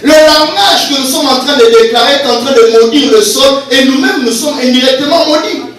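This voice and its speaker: A middle-aged pastor from Congo preaches in a very high voice, leading his listeners in call-and-response. The sound carries a heavy hall echo, with the microphone some distance away. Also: brisk, a crowd in the background. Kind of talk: sermon. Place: event hall.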